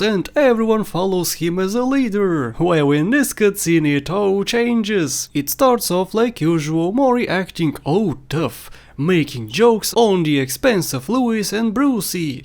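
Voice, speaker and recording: A man giving scripted commentary over video game cutscenes as the host of a countdown. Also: high voice.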